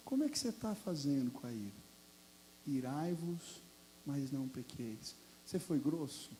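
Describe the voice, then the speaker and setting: Man, Brazilian Portuguese accent, pastor, sermon, high voice, long church reverb. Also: a little hiss or hum. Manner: animated, confessional, storytelling with sudden loud peaks. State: hoarse from throat infection. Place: church sanctuary.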